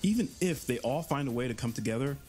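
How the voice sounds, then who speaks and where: A man's voice: mid-range voice, lively intonation, fast talker. A man, a game developer, narrating a trailer in an earnest, enthusiastic scripted way. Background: soft trailer music.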